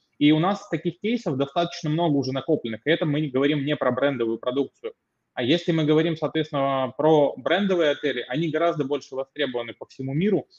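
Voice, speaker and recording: Against a quiet background, a man speaks very fast. His pitch is fairly high, with ordinary variation. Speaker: real estate sales director. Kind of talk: webinar sales presentation. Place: office. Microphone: connection and sound glitches; video call.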